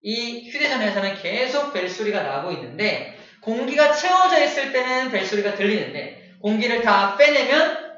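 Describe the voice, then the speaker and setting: A man teaching a classroom lesson, playful and animated, acting out voices as examples. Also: very high-pitched, normal speed. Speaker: middle school science teacher. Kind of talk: classroom lecture. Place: echoey classroom. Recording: dull, echoey from far off.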